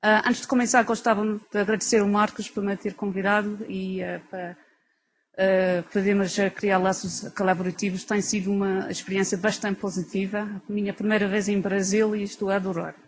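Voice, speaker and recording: A woman researcher from England delivers an academic lecture in Portuguese with an English accent. Her voice sits at a middle pitch, and she often hesitates and rephrases as a non-native speaker does. Faint background noise runs behind the talk. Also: level tone, fairly quick, low-quality recording. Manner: hesitant, searching for words in a second language.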